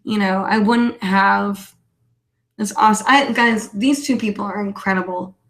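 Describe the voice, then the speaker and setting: A woman's voice: mid-range voice, measured pace, a bit bright. A woman hosting a casual live online show, chatting in a rambling, self-deprecating way. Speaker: host of a weekly live online hobby show. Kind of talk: casual livestream chat.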